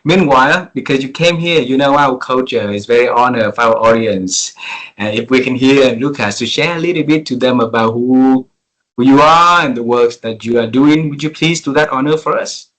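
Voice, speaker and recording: A man's voice: medium pitch, normal speed, a bit bright, low-quality recording. Effusive Vietnamese-accented man hosting an interview. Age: 40s. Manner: effusive, courteous. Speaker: interview host. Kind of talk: conversational interview.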